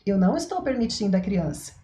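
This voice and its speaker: A woman, a mother and parenting coach, explaining to an online audience in an expressive way, often acting out scenes. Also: medium pitch, fast. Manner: expressive, acts out scenes, tags sentences with "tá?" and "né?". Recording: echoey room.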